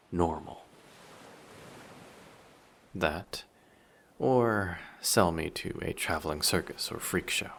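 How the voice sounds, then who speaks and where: A man playing a dangerous, flirty sea monster in an intimate audio drama, speaking in a measured, quietly menacing way with formal wording. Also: sits low, creaky, a little hiss or hum, exaggerated voice. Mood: wry, resigned. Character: dangerous, possessive, flirty male sea monster with fish tail.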